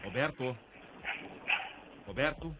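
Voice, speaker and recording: A man's voice: medium pitch, lively intonation, slow, noisy background. A man co-hosting a radio show, quizzing callers with teasing banter. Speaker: radio co-host. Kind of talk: joking call-in banter.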